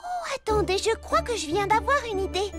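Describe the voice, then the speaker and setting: A woman voicing a sweet, sensible little girl in a dubbed children's cartoon, gentle and earnest. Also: extremely high pitch, big pitch swings, fairly quick, over loud music. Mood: caring.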